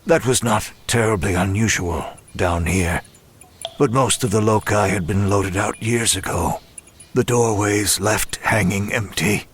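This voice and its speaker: An actor playing a weary, tormented man who narrates his ordeal in a horror audio drama, grave and deliberate with halting pauses. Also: on the low side, husky. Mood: grim, weary.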